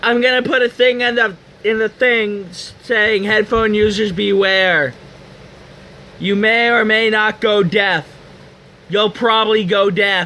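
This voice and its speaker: A man with an American accent shouts at a high pitch, very slowly, with long, frequent pauses. His loudness stays very even and his intonation fairly even, against noticeable background noise. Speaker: YouTuber reviewing product. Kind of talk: casual product demo. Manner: loud, yelling.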